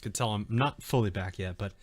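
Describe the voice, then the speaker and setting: A man's voice: lowish voice, a little fast, noisy background. A man streaming a game with casual commentary as he reads along. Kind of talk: casual gameplay commentary and dialogue reading.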